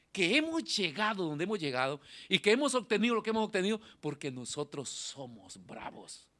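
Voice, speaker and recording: Middle-aged pastor guy, thin nasal voice, goes from yelling to quiet asides, preaching in a church. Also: fairly high pitch. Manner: animated, swings from shouting to quiet asides. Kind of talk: sermon. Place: church hall.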